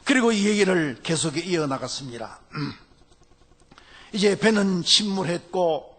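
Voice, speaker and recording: Husky, higher-voiced man telling a sermon story. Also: lively intonation, fairly bright tone. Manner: unhurried, with frequent hesitant fillers. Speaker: pastor.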